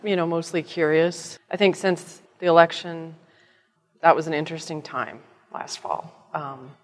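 A middle-aged woman from Colorado speaks in a conversational way, peppering her talk with "you know". Her voice sits very low for a woman. A faint hiss of noise lies under her. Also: steady tone, measured pace. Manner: chatty, frequent "you know". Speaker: guest. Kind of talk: conversational interview.

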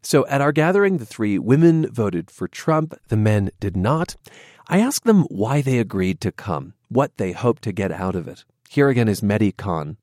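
A man reporting and narrating a radio news feature in a measured, scripted delivery. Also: lowish voice, dry recording, studio quality. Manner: measured, lively intonation. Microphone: studio microphone.

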